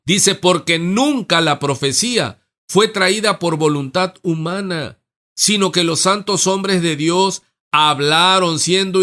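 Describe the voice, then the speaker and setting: Pastor guy preaching a sermon real slow, bright voice, kinda high for a man. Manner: slow deliberate preaching, reads scripture aloud. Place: church sanctuary.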